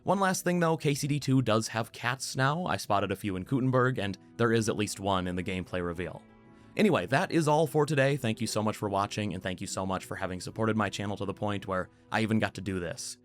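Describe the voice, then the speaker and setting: A man who is sick and hoarse after losing his voice, giving an upbeat, chatty game preview as a YouTuber. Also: fairly low pitch, a little fast, soft background music. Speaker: gaming YouTuber. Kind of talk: casual game preview commentary.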